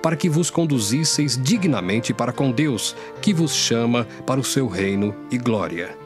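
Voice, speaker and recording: Reading from a script for an audio Bible, this Brazilian-accented man delivers scripture in a solemn, declamatory way. His mid-range voice is animated and moves at a moderate pace, with music running beneath it.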